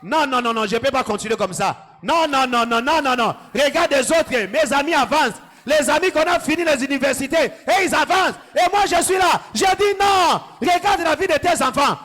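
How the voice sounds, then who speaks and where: High-voiced preacher shouting prayers. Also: male voice, lively intonation, normal speed, few pauses. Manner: repetitive shouted commands and exhortations. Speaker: pastor. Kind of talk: sermon and led prayer. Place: large church hall. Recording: echoey church hall.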